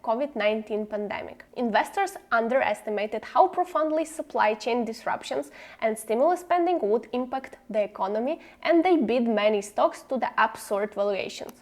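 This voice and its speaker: A woman's voice: fairly high pitch, lively intonation, moderate pace, hardly any pauses. A woman from Ukraine with a Ukrainian accent, a non-native speaker, giving explanatory commentary straight to her viewers in an emphatic, opinionated manner. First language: not English. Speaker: host of a stock investing channel.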